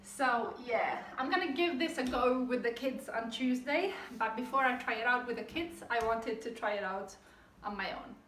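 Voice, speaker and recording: A woman's voice: a little high, lively intonation, normal speed, fairly bright tone, a little hiss or hum. A woman from Finland, chatting cheerfully as a craft vlogger in a casual how-to video. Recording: echoey room, mic at a distance.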